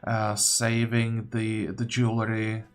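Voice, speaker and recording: A man's voice: on the low side, completely flat delivery, slow, faint music behind. A man giving unscripted game commentary, thinking aloud in a musing, hesitant way as if talking to himself. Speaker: gaming video host.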